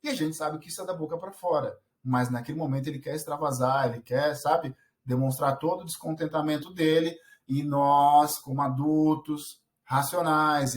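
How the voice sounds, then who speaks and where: A man from Brazil talking earnestly to camera about fatherhood, with frequent restarts and fillers. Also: a little high. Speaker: parenting vlogger. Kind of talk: casual talk to camera.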